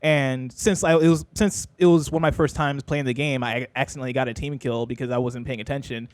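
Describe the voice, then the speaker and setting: Fast-talking man, dry close sound. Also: medium pitch, no room sound. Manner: rapid, animated storytelling with bursts of laughter. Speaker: guest. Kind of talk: casual panel discussion.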